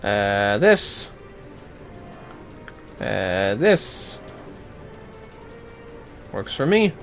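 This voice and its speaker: Guy doing game stream commentary, muttering n swearing, very lively bright voice, faint music behind. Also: on the low side, extremely slow. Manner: foul-mouthed, muttering to self. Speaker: livestreamer. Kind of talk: casual gaming livestream commentary.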